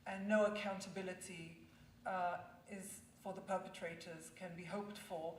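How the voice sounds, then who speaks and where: A woman's voice: lowish voice, steady tone, moderate pace, slight background noise. A woman from Israel giving a conference talk, thoughtful and hesitant, with many ums and restarts. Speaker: conference speaker. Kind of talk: public talk. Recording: echoey room, mic at a distance.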